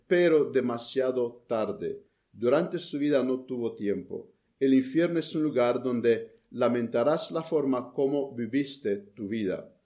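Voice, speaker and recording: A man preaching a sermon in an earnest tone, reading scripture aloud and pausing to explain it. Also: mid-range voice, mellow. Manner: earnest, reads scripture aloud with pauses and restarts.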